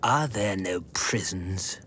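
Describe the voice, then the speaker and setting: A man's voice: low-pitched, takes it slowly, pushed and bright, husky, heavily acted. An actor playing a scornful, miserly old businessman in a theatrical radio drama. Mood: grim. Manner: scornful, emphatic, contemptuous.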